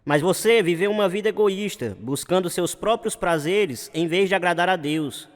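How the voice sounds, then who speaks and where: A man's voice: high voice, moderate pace, natural voice. An actor playing an earnest male evangelist delivering a sermon of salvation in a radio drama. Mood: earnest, exhorting. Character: earnest male evangelist preaching to a crowd through loudspeakers. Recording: long hall reverb, like loudspeakers.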